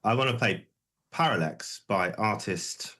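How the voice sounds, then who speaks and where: A man co-hosting a music review livestream chats casually, rambling in an easygoing way with lots of hesitations. His voice sits on the low side, with a sharp tone and a slightly slow pace.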